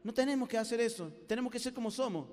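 A man with a Rioplatense Spanish accent preaching a lively youth sermon, telling stories and acting out the voices in them. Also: very high-pitched, fast talker. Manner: animated storytelling with acted-out voices. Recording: live sermon with long hall reverb.

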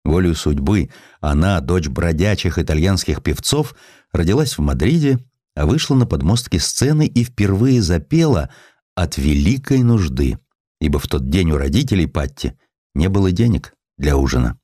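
A deep-voiced male audiobook narrator delivers a historical sketch in expressive, literary storytelling style. His pitch moves widely through each phrase, and the sound is close and dry. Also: normal speed, dry recording.

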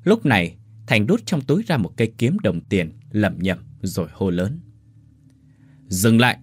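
Husky man narrating a ghost story. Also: lowish voice, normal speed, dry recording. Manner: animated, voices several characters.

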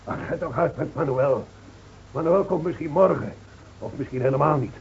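Man playing a high, exuberant villager. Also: normal speed, darkish tone, lightly acted. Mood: dismissive. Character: exuberant rain-drunk villager, earthy and dismissive. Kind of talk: Dutch radio drama acting. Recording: dull, faintly noisy old radio recording.

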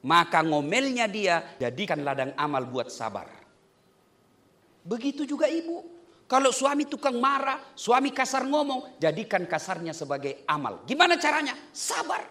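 A man preaching a humorous sermon on marriage. His voice sits high and swoops widely as he jokes with the congregation. The tone is bright and sharp. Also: normal speed. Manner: joking, lively delivery with playful asides to the congregation.

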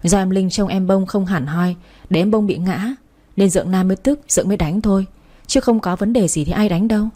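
A woman's voice: mid-range voice, a little fast, dark tone, lightly acted. A woman voicing a short-tempered mother who scolds her daughter and turns timid before her husband. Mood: defensive. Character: harsh, short-tempered mother of two girls.

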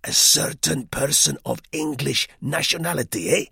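A man voicing a pompous middle-aged German hotel guest who speaks slowly and weightily, with a confiding air. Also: a little high, vocal fry, sharp tone, husky, no room sound, studio quality, pitched above the performer's own voice, heavily acted. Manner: weighty, confiding, slow-spoken.

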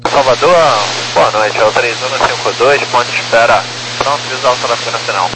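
A man's voice: mid-range voice, brisk, sharp tone. A man with a Brazilian Portuguese accent, an airline pilot heard over the radio, giving terse, clipped readbacks to air traffic control. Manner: terse, clipped, routine phrasing. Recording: noisy radio transmission.

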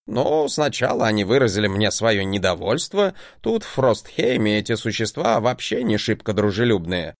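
A man's voice: fairly low pitch, very animated, normal speed, few pauses, dry recording, studio quality, voice pushed down. A man voicing a grumpy old male mage teacher who speaks tersely. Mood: grumbling. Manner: gruff, terse.

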